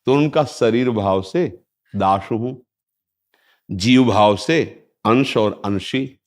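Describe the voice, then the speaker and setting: Man giving a measured spiritual discourse. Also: medium pitch, a little mellow. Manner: measured, reciting Sanskrit verses, affirming with frequent "ji" and "haan". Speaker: spiritual teacher.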